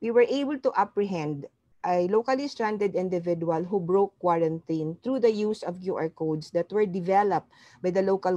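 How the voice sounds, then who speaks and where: Low female voice, middle-aged, Filipino accent, formal presenter, polite and explanatory, dry close sound, video call. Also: a little mellow, no room sound. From Philippines. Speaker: public health physician speaking at a press briefing. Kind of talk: formal slide presentation, appeal. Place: indoor room, on a video call. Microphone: wired earphone mic on a video call.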